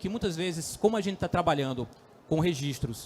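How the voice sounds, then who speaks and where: With a northeastern Brazilian accent, a man talks at a very fast pace with ordinary pitch variation. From Northeast Brazil, Campina Grande (Paraíba). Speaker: author, panel guest. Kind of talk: panel discussion.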